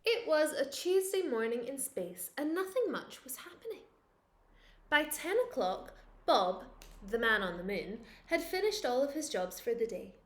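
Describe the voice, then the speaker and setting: A woman reads a children's picture book aloud like a teacher at storytime, expressive and playful. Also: high voice, echoey room. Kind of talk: animated children's storytime reading.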